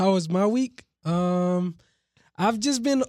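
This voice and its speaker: Recorded dry and close with no echo on a very clean track with a silent background, a man with an American accent speaks in a dark, mellow tone. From Camden, New Jersey. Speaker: chef, event organizer and podcast co-host. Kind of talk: casual chat.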